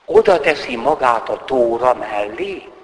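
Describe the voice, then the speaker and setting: A man preaching a sermon as a priest, his voice rising with emphasis and then sinking low. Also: lively intonation. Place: church. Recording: echoey church with long reverb.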